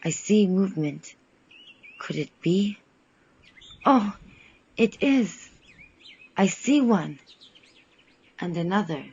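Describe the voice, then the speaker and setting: An actor in an audio drama playing a solitary, wondering watcher in the wild, speaking in short, suspenseful, halting phrases. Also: mid-range voice, expressive, darkish tone. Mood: tense wonder. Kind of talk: audio drama first-person narration. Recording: muffled, with faint outdoor noise. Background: birdsong.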